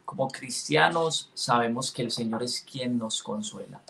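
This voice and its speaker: A man co-hosting a Christian teaching program, speaking in a calm, affirming way. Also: medium pitch, measured pace, vocal fry. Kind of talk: Christian teaching, conversational sermon.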